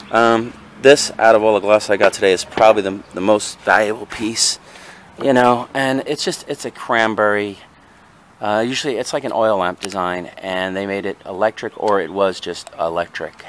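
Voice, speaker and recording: A rambling, self-deprecating man with a somewhat low voice talks through his bargain finds, stumbling over fillers. His camera picks up faint background noise. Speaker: reseller vlogger. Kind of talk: casual show-and-tell. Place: outdoor patio, then in a car.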